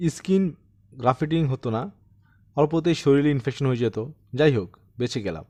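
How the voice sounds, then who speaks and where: Male narrator as haunted man in his sixties, mid-pitched, earnest, insistent, audiobook storytelling. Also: expressive, moderate pace, a little mellow, natural voice. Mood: rueful, matter-of-fact. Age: 60s. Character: troubled 67-year-old man recounting his eerie haunting.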